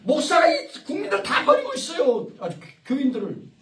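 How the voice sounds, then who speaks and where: A man's voice: extremely high pitch, huge pitch swings, a little fast, creaky, a crowd in the background. A man giving an informal, rambling lecture to a small group, often interrupted by the audience. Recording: echoey room, far from the mic.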